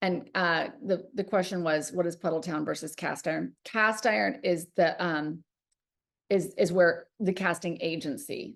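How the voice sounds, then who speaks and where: Against a quiet background, a woman with a fairly low pitch and vocal fry speaks at a moderate pace with lively intonation. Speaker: acting teacher. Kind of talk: workshop talk. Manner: casual.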